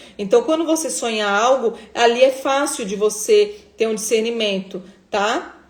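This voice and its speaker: A woman's fairly high-pitched, unremarkable speaking voice with ordinary pitch variation at a fairly slow pace. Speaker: pastor. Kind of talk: live stream teaching. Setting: Instagram live.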